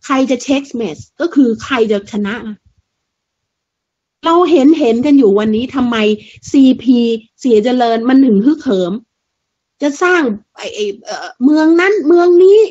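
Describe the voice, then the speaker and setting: Fiery high-voiced woman, lo-fi sound. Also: expressive, moderate pace, mellow. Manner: fiery, blunt, crude and mocking, rhetorical questions. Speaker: political commentator. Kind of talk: impassioned political monologue. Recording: dull lo-fi sound.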